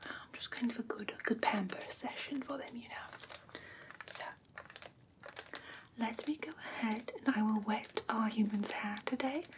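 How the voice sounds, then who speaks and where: A woman's voice: fairly high pitch, natural voice. Whispering female vampire teacher played by a woman. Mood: gentle, instructive. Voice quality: breathy whisper. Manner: soft, patient, unhurried instructing. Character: female vampire teacher, gentle, instructing a human care class. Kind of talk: whispered ASMR roleplay lesson.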